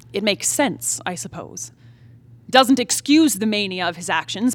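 A woman's voice: on the high side, fairly bright tone, dry recording. Woman acting a brooding young wife, theatrical. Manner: formal literary diction, dramatic pauses. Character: brooding young married woman haunted by her family's past. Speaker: actor. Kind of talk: theatrical play reading, dramatic monologue. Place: theatre stage, live reading.

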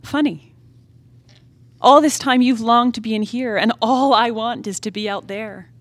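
A woman's voice: a little high, fairly even intonation, measured pace, dry recording, lightly acted. A woman acting a restless, defiant young wife in a dramatic stage play reading, yearning and impassioned. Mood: wistful, resolute. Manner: theatrical, impassioned soliloquy. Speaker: playwright reading her own play.

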